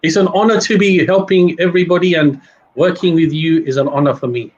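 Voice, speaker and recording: A man's voice: on the high side, fairly even intonation, fairly quick, a little mellow, dull audio, slight background noise. A middle-aged man with a Pakistani accent explaining as a guest coach, emphatic, repeating phrases and listing points over an internet call. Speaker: guest career coach and consultant.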